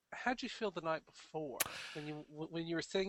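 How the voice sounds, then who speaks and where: In an unremarkable speaking voice, a man with an American accent speaks at a fairly quick pace and a fairly high pitch, the sound dry and close with no echo. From US South. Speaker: podcast guest. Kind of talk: casual chat. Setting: video call.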